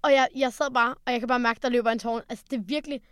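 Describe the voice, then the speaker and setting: Chatty teenage girl, high voice. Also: clear, resonant tone, no room sound, studio quality. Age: late teens. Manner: animated, rambling storyteller. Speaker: podcast co-host. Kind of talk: casual chat. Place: studio.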